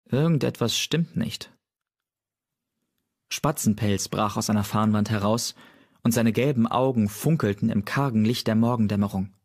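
A man reading an audiobook aloud in steady storytelling narration. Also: on the low side, normal speed. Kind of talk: scripted narration.

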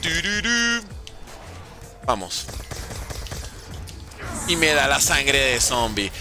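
A man's voice: medium pitch, animated, takes it slowly, over music. A man streaming a video game, chatting casually with jokes and slang and answering his viewers' messages. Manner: playful, joking, slangy, reading chat aloud. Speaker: gaming streamer. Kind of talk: casual livestream commentary.

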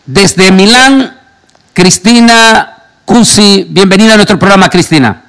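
A man's voice: sits high, measured pace, a bit bright, clean tone, poor audio. A man who hosts a religious program as a pastor, introducing and questioning a guest emphatically. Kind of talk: religious broadcast interview.

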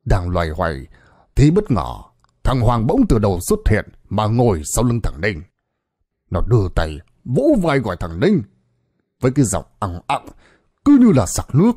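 A man narrating a scripted horror story in a dramatic, expressive way. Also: fairly low pitch, measured pace, dry recording, studio quality.

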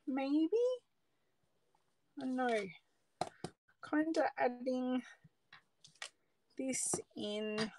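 An Australian woman with a high voice demonstrates card making on a casual crafting livestream, chatting and thinking aloud as she works and sometimes dropping to a murmur. The overhead camera shows her hands at an indoor craft table, and the audio is poor with slight background noise.

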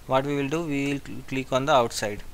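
A man giving a step-by-step software tutorial as an instructor, repeating his phrases as he goes. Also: medium pitch, brisk, gravelly. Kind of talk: screen-share software tutorial.

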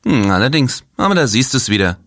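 A man's voice: medium pitch, very animated, fairly quick, a bit bright, no room sound. A man playing a thoughtful film buff in a German audio drama conversation. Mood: musing.

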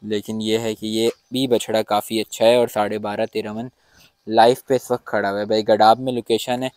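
A man's voice: lowish voice, level tone, normal speed, a little mellow, dry recording. A young man hosting a vlog, enthusiastically showing off cattle on an outdoor farm and speaking into a handheld mic. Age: young adult. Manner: enthusiastic, repeats blessings. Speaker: vlogger host. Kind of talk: casual farm tour and interview.

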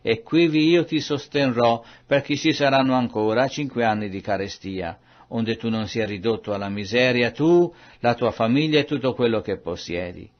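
A man reading scripture aloud in a measured, solemn way. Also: medium pitch, highs cut off. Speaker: Bible reader.

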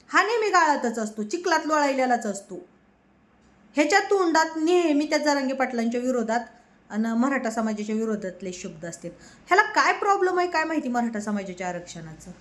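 A woman's voice: high voice, animated, moderate pace, a bit bright. A woman delivering a heated, mocking political rant, scolding her target. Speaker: political commentator.

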